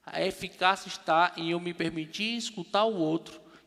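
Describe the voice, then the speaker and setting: A man with a Fortaleza accent and a high-pitched voice. His intonation stays fairly even. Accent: Northeastern Brazilian (Fortaleza). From Brazil, Fortaleza (Northeast). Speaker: motivational speaker. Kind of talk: motivational talk. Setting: stage with audience.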